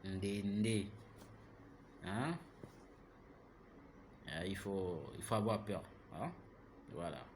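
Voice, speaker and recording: A man's voice: deep voice, extremely slow, pauses often, slight background noise. Heated man lecturing. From Gabon. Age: 30s. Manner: preachy, repeats himself, asks listeners "hein?"; grows loud and heated. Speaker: vlogger. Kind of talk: impassioned monologue.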